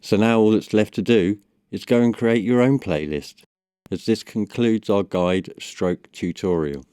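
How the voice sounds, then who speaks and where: A man with a low-pitched voice presents a step-by-step software guide. His delivery is measured and instructional. The sound is dry, with very little room in it. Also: clean tone, no echo. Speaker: tutorial presenter. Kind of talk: step-by-step software tutorial voice-over.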